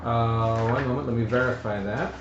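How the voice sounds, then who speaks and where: A man's voice: mid-range voice, steady tone, normal speed. A man talking casually as he explains tabletop game rules step by step to the players, somewhat hesitantly. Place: echoey room at a group game table. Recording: roomy, muffled livestream audio with background noise.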